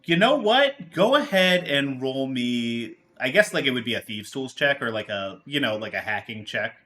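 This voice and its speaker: Bright, forceful man running a tabletop game. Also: mid-range voice, lively intonation. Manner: halting, rambling, informal. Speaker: game master. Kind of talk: casual tabletop game narration.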